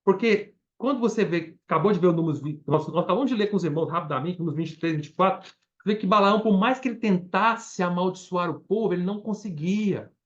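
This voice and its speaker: Brazilian male preacher, high and lively, emphatic repetition, dull lo-fi recording. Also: quick pace. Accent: Brazilian Portuguese. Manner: animated, repeats words for emphasis. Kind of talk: Bible study sermon.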